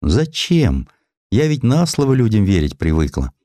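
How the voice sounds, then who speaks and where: A man voicing a poor, lonely old widow in an audio drama, speaking gently and plaintively in simple old-fashioned phrases. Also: fairly low pitch, big pitch swings, normal speed, no room sound, studio quality, pitched above the performer's own voice. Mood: resigned, plaintive. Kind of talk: Russian audio drama storytelling.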